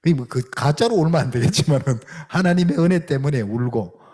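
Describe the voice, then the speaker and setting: A man's voice: on the high side, lively intonation, a little fast, darkish tone, breathy edge. A middle-aged man, a missionary, giving a testimony lecture, telling his story with feeling and acting out prayers and quotes. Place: lecture hall.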